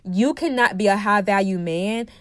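Sounding congested with a cold, a woman hosts her solo podcast, an opinionated monologue where she drives home points emphatically and repeats her key lines. She's a dating coach; her mid-range voice has a fairly bright tone at normal speed, with no room sound.

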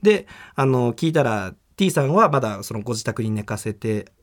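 A man's voice: medium pitch, normal speed. A man hosting a radio talk show, telling a personal story in a casual way and acting out the voices of the people in it. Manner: animated storytelling, acts out quoted people. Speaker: comedian and radio show host. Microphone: studio microphone.

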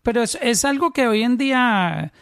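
A man's voice: extremely high pitch, animated, moderate pace, vocal fry, fairly bright tone, clear, resonant tone, no echo. Chatty colombian man interviewer, dry sound. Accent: Colombian paisa. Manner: chatty, repeats words when starting phrases. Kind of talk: casual interview chat.

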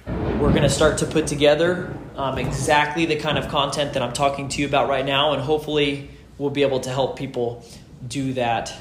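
A man's voice: medium pitch, steady tone, a little fast. A man giving earnest, informal motivational advice to peers, emphatic and repeating his key phrases. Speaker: gym owner and fitness business host. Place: home gym outside, under a roof in a rainstorm. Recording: echoey room, rain noise on roof. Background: rain on the roof, storm.

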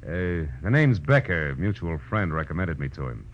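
An actor playing a wry, hard-boiled private detective in a 1940s radio drama, dry, laconic and unflappable. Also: male voice, a bass voice, very animated, normal speed, a little hiss or hum, exaggerated voice. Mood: cool wisecracking. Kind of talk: 1940s radio acting, noir first-person narration and dialogue. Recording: dull old radio recording with music.

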